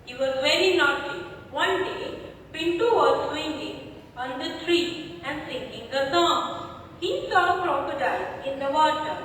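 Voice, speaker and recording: A woman narrating a children's story video in a measured, plain storytelling manner. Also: high voice, fairly bright tone. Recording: echoey room, mic far off, faint noise.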